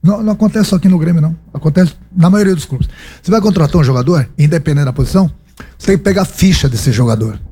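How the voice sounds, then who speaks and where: A man with a Brazilian accent fields reporters' questions as a football coach. His voice is husky and mellow, sitting slightly high. He is emphatic, repeating his phrases and firing off rhetorical questions. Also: very fast. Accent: Brazilian Portuguese. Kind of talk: post-match press conference answers.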